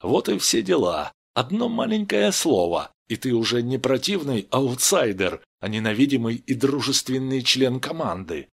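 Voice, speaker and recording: A man reading a story aloud with expressive narration. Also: medium pitch, normal speed, vocal fry, hardly any pauses, husky. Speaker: audiobook narrator.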